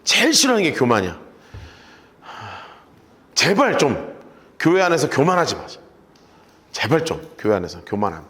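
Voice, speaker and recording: A male pastor giving an animated, joking, conversational sermon and telling listeners what to note in their Bibles. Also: medium pitch, normal speed, long pauses. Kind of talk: sermon with Bible study notes.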